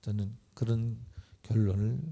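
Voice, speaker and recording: A middle-aged male pastor preaching in church, firing rhetorical questions and swinging between loud emphasis and hushed asides. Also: on the low side, level tone, a little slow, creaky. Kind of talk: sermon. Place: church sanctuary.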